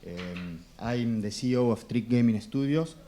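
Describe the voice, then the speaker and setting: A man's voice: medium pitch, moderate pace, warm tone. An Argentine man with a Spanish accent introducing himself on a conference panel, polite and hesitant with many fillers. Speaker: panelist, studio CEO.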